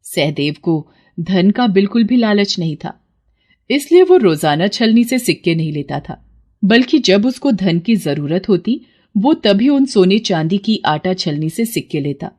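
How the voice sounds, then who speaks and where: A woman narrating a cartoon story in an expressive storytelling manner. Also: mid-range voice, unhurried.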